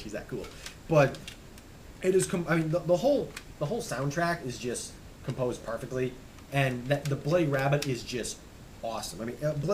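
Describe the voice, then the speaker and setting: A young man casually rambling as he shows off his music collection, stammering and restarting, hoarse and losing his voice. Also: a little high, slight background noise, low-quality recording. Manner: enthusiastic, rambling, stammers and restarts, trails off quietly. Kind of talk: casual rambling show-and-tell.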